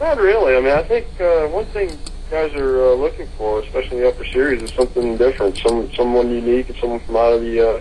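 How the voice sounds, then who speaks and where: A man with an American accent speaks at a very fast pace over noticeable background noise. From US South, South Louisiana bayou. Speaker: race car driver. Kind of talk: interview.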